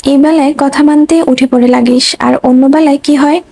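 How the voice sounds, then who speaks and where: A woman's voice: high voice, steady tone, normal speed, dark tone, slight background noise, poor audio. A woman voicing a stern but caring young man in a read-aloud romance story, talking in a firm, scolding way. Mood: teasing. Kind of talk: audiobook reading.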